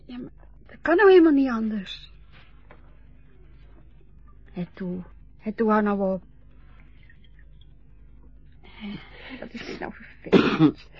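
An actress playing a spirited, soft-hearted young carer, informal, exclamatory and coaxing, in a radio play. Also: female voice, medium pitch, very animated, slow, pauses often, husky, no echo, faint music behind, full character voice. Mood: concerned, soothing. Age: young adult. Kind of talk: naturalistic Dutch radio play acting. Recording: dull, muffled old radio recording.

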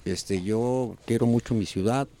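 Mexican guy hosting a chat show, mellow dark voice, lots of ums. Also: medium pitch, measured pace. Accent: Mexican Spanish. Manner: warm, rambling, with many fillers. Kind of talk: casual radio chat.

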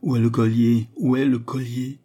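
A man's voice: medium pitch, level tone, moderate pace, warm tone, breathy edge. A man voicing an anxious, pleading male court jeweler with an insistent manner. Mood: desperate.

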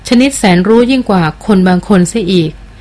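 A woman's voice: mid-range voice, brisk, warm tone, natural voice. A woman voicing an earnest noblewoman explorer. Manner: earnest, urgent.

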